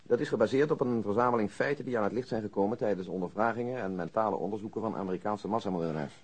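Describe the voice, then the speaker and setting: Methodical cop guy, radio drama, husky voice, dry n matter-of-fact like reading a report. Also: on the low side. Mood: dry, factual. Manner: matter-of-fact, measured, reciting. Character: methodical, dry police detective with an exact memory.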